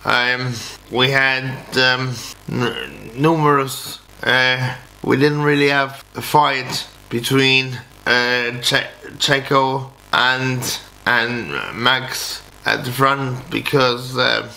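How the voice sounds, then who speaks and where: A man in his thirties reviewing a race casually to camera, speaking haltingly and often repeating and restarting his words. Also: medium pitch, flat delivery, gravelly, bright, forceful tone, low-quality recording. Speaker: motorsport vlogger. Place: small home office, indoors.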